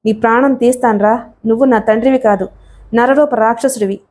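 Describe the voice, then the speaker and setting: A woman's voice: steady tone, fairly quick, a little mellow, close to an everyday voice. A woman doing a wild-tempered young girl. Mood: vengeful. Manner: defiant, shrill outbursts. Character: volatile young woman with a split personality.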